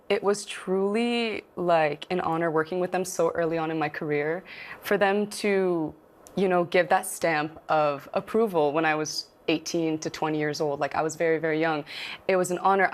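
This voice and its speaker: A young woman singer, born in Morocco and raised in Canada, talking earnestly as a guest in a TV studio interview, with plenty of ums and likes. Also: lowish voice. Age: young adult.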